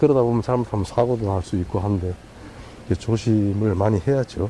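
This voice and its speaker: Somewhat breathy, a man's dark, mellow voice sits fairly low in pitch. He talks at a fairly quick pace with ordinary pitch variation. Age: 70s. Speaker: designated driver. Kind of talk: interview.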